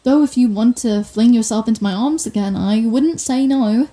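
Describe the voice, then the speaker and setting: A woman playing a proud, sardonic telepathic villain with a secret soft side, in a theatrical, wry manner for an intimate ASMR roleplay. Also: a little high, normal speed, close to an everyday voice. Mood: grudging, teasing. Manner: theatrical, wry, flustered denials, grand pronouncements.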